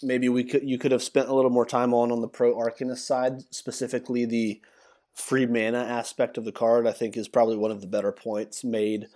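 A man's voice: medium pitch, level tone, fairly quick, warm tone. A man co-hosting a podcast in casual chat, earnestly explaining his arguments. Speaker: podcast co-host.

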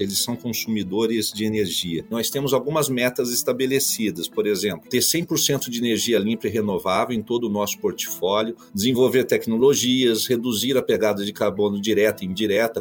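Deep voiced exec guy on a podcast, corporate talk, stumbles and repeats words. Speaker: guest, company president. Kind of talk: interview answers.

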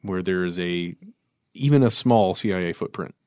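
A man's voice: deep voice, moderate pace, a little mellow, clear, resonant tone, no room sound, clean studio sound. A man co-hosting a podcast, chatting casually with a guest and the listeners. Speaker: podcast co-host. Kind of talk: casual conversational interview.

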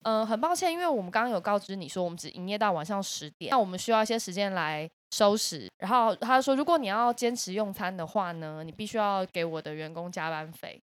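A woman, co-hosting a podcast with expressive, quick reactions. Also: mid-range voice, dry recording. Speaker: podcast co-host. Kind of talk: casual chat.

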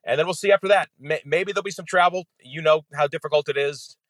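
A man who calls baseball games on radio, talking as a guest in an interview and laying out detailed, measured analysis of players and strategy. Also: a little high, dry recording. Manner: detailed, measured, steady flow of facts.

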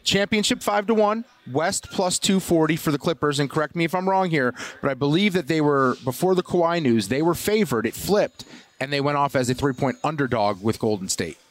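A man co-hosting a sports betting show, reading odds in a measured, casual way. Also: on the high side, expressive. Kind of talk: casual sports radio talk.

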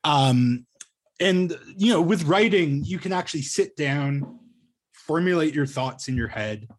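A man in his thirties from Ontario, a journalist talking about his career in a casual interview over a video call, pausing often with ums and restarts. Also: fairly high pitch, animated. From Ontario, Canada. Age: 30s. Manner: hesitant, many ums and restarts. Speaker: journalist guest.

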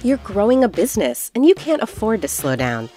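A woman reads a scripted ad with a smooth, upbeat delivery. Her pitch moves a lot from line to line. Faint music runs behind her. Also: very animated, fairly quick, dark tone. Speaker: ad announcer. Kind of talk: scripted ad read.

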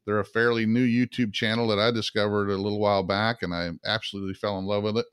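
A man's voice: fairly low pitch, little pitch movement, fast, fairly bright tone, clean tone, dry recording, studio quality. A middle-aged man from upstate New York hosting a cooking podcast, talking in an easygoing, rambling way with fillers. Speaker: podcast host. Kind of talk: casual podcast chat.

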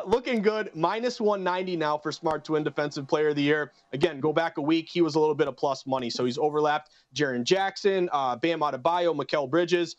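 A man from western Massachusetts with a slight Boston accent, giving a brisk, upbeat rundown of betting odds. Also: a little high, dry recording. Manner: brisk, number-heavy, upbeat. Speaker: sports betting analyst guest. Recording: dry, dull remote line.

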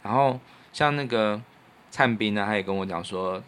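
A man's voice: fairly low pitch, normal speed, fairly bright tone, slight background noise. A man with a Taiwanese Mandarin accent hosting a podcast in casual, reflective chat, telling anecdotes in an earnest way. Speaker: podcast host; musician.

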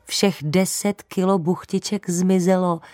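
A woman voicing a sad, kindly male school cook who talks softly. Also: fairly low pitch, fairly even intonation, no echo, clean studio sound, natural voice.

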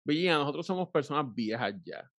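A man's voice: a little high, animated, a little fast, a bit bright, no room sound. A man in his thirties in casual banter, wry and profane, swearing often. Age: 30s. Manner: wry, profane, keeps saying "cabrón".

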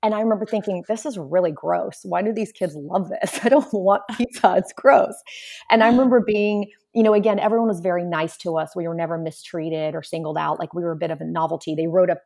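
A woman with a low voice that has a grainy, gravelly texture. Born in Poland, she talks in an easy interview style and tells lively stories, slipping into the voices of the people she quotes. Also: fairly quick. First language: Polish. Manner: animated storyteller, acts out quotes. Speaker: guest. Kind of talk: casual interview conversation.

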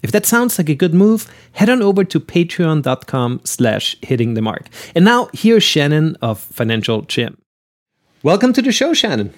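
A man's voice: on the high side, big pitch swings, moderate pace. A man from Austria hosting an interview podcast, enthusiastic, with many fillers and restarts. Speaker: podcast host.

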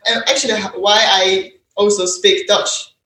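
A woman's voice: medium pitch, steady tone, unhurried, fairly bright tone. A woman in her thirties from China, a native Mandarin speaker with a Chinese accent, telling her story conversationally as a podcast guest. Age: 30s. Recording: echoey, roomy sound.

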